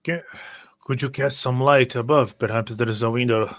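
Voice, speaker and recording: Man, tabletop game player, roleplay talk, medium-pitched voice. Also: fairly even intonation, moderate pace, fairly bright tone.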